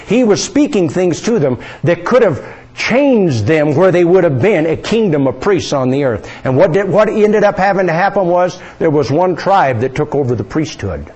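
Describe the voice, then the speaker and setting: A man's voice: a little high, big pitch swings, moderate pace, a little mellow, slightly rough. A man preaching a sermon, reading scripture aloud and asking his congregation questions.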